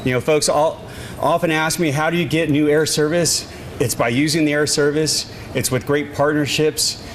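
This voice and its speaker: A man's voice: fairly high pitch, steady tone, moderate pace. Plain-spoken man at a noisy press conference. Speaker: airport official. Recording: noisy event with background ambience.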